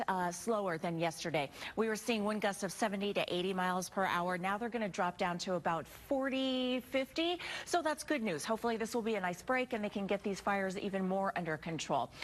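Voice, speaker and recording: An American woman presenting morning news and weather in a conversational, chatty way. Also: mid-range voice. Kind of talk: live newscast, partly ad-libbed forecast.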